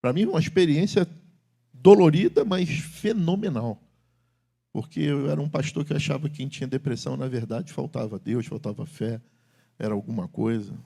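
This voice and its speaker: A middle-aged man preaching a sermon as pastor in a church, swinging between loud emphatic calls and low confiding talk to the congregation. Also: normal speed, vocal fry, breathy edge. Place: church sanctuary.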